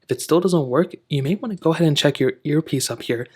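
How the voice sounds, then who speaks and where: A man's voice: fairly high pitch, fast, slightly rough. A man hosting a how-to tech video, explaining steps in an informal, chatty way. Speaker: tech tutorial host. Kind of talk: casual how-to tutorial narration.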